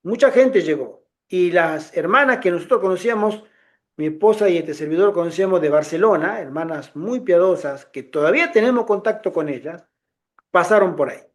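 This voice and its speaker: A middle-aged man giving an informal testimony to a congregation, telling a story in an animated way and acting out the voices of the people he quotes. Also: high-pitched, brisk. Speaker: lay ministry speaker.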